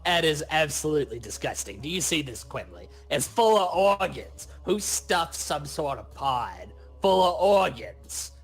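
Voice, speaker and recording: A man's voice: a little high, sing-song, unhurried, hardly any pauses, breathy edge, voice pushed up, exaggerated voice. Man playing a boastful, indignant goblin demolitionist. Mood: disgusted. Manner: self-justifying, indignant. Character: boastful, squeamish male goblin demolitionist with a gun.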